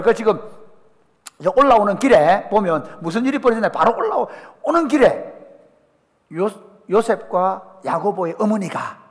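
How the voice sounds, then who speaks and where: Animated Gyeongsang pastor, high lively voice. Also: male voice. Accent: Gyeongsang Korean. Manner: animated storytelling, acting out people's voices with humor. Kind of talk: lively sermon. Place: church sanctuary. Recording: church hall reverb.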